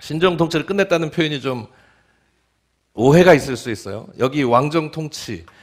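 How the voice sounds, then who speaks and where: Pitched fairly high for a man, he speaks at a fairly quick pace with very wide pitch swings and vocal fry. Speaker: pastor teaching Bible study. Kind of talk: Bible study lecture. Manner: fast.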